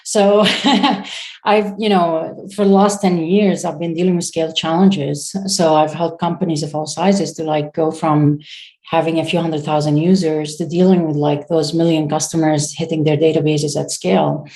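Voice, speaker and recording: A woman in her thirties from Syria, a startup founder answering interview questions in a halting way, pausing often as she searches for words. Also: low-pitched, steady tone, dark tone.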